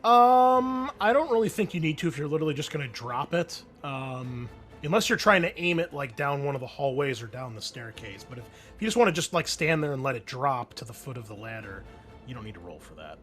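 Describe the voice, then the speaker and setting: A man's voice: medium pitch, animated, fairly quick, a bit bright, soft background music. A man running a tabletop game as game master, improvising narration in a conversational, explanatory way.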